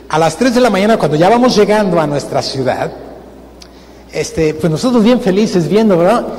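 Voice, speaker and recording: A man, a guest missionary, preaching a sermon and telling a story with lively acted-out voices in a church. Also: high voice. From Mexico. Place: church sanctuary. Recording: reverberant church hall, faint noise.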